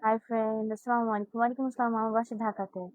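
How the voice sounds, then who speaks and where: A woman's voice: on the high side, flat delivery, rapid-fire, no room sound, rough recording. Chatty teenage girl live streamer. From Bangladesh. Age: teens. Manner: chatty, answers viewers one by one. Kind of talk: casual live chat reading comments.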